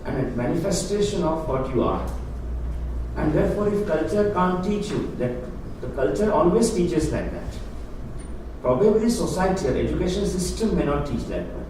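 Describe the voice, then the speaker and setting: A man's voice: a little high, animated, moderate pace. A man giving an earnest public talk, explaining ideas to an audience in plain, non-native phrasing. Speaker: guest speaker on Hindu philosophy. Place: lecture room with audience. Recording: echoey hall, speaker far from mic, noisy.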